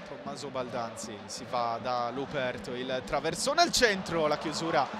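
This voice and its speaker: A man's voice: medium pitch, animated, moderate pace. A man with an Italian accent giving live football match commentary. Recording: commentary over stadium noise.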